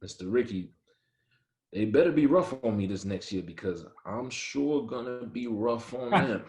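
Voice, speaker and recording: An actor playing a proud, composed and fiercely competitive Black baseball player who tells his own story in a measured, earnest way at a table read. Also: mid-range voice, animated, darkish tone, echoey room, natural voice. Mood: determined. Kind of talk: dramatic first-person script reading.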